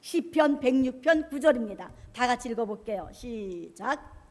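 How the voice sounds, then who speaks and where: A woman pastor preaching an impassioned sermon, swinging between hushed and loud, acting out the words of God and of tempters. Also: a little high, lively intonation, moderate pace, a crowd in the background. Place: church sanctuary. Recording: long church hall reverb.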